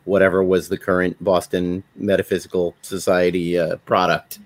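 A man's voice: low voice, little pitch movement, moderate pace. A man hosting a casual podcast over a video call, chatting with guests in a wry, lightly joking way. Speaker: podcast host. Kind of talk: casual chat, introducing guests.

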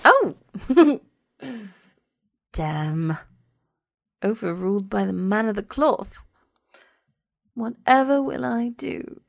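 An actress playing a sharp-tongued, sardonic woman lover in an audio drama, expressive and prone to swearing. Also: on the high side, slow, gravelly, pauses often, exaggerated voice. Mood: teasing, amused. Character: sharp-tongued, foul-mouthed woman lover, wry then furious.

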